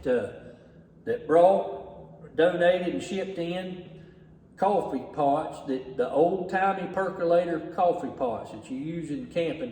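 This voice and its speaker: A man with a Southern US accent and a slightly high voice speaks in a plain, folksy manner. His delivery is casual and unscripted, as if explaining things to viewers. The recording is strongly echoey, with faint noise behind him. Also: darkish tone. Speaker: relief effort organizer presenting donations. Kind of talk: casual unscripted talk to camera. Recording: echoey, distant mic, faint background noise.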